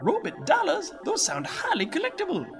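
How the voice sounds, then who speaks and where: An actress playing a folksy, gushing presenter in an old-time radio comedy ad. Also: female voice, huge pitch swings, moderate pace, exaggerated voice. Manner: folksy, gushing pitch talk. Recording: music bed under voice.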